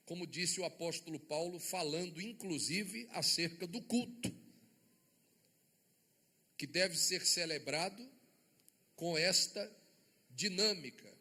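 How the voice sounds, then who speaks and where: A man's voice: high-pitched, animated, takes it slowly, pauses often, pushed and bright, breathy edge. A man with a Brazilian accent, a bishop preaching a sermon and firing rhetorical questions at his congregation. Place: church sanctuary before a congregation. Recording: long church reverb.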